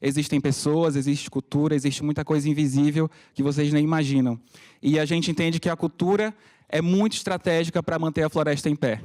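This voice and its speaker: Casting: man, 30, Paraense accent, slightly high voice, frank conversational public speaker, unscripted. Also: fairly even intonation, fairly quick, a little mellow. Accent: Paraense Brazilian. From Pará, Brazil. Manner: frank, conversational, frequent tag questions. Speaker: content creator and community leader speaking at a conference. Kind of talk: informal unscripted public talk.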